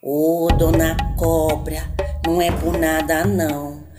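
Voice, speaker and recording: A woman's voice: low voice, flat delivery, slow. A woman voicing a boastful, clever male frog in a children's story. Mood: sly. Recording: music playing behind.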